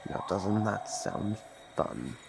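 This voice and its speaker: A man voicing a playful, sadistic monster from under the bed in an ASMR roleplay, gravelly and breathy, savoring his slow, mock-gentle taunts. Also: on the low side, lively intonation, background noise, exaggerated voice. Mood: gloating, amused. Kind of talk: ASMR roleplay, scripted monologue. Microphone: close microphone.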